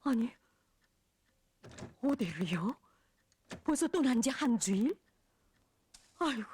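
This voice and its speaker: A woman's voice: on the high side, big pitch swings, takes it slowly, darkish tone, breathy edge, full character voice. A woman with a North Korean accent acting a fretful middle-aged mother in a film drama, full of exclamations. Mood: anxious, upset. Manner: fretting, exclamatory. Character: fretful middle-aged mother upset about her son.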